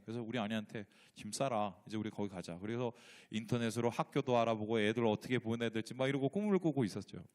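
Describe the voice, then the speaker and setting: Animated male pastor preaching. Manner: animated storytelling, swinging from hushed to loud; acts out his own past words in low muttered asides. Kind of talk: sermon with personal story.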